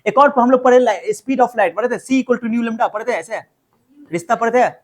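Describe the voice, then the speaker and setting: Speaking at normal speed in an extremely high-pitched voice, a man tutors chemistry informally. He mixes English terms into his Hindi, goes over formulas again and again, and scolds the student.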